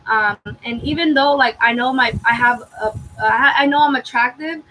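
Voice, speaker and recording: A woman's voice: on the high side, normal speed, bright, forceful tone, a little hiss or hum, rough recording. A young woman from Inglewood, a podcast guest, talking in an earnest, reflective way and repeating her key phrases. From Inglewood, California. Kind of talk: casual podcast conversation.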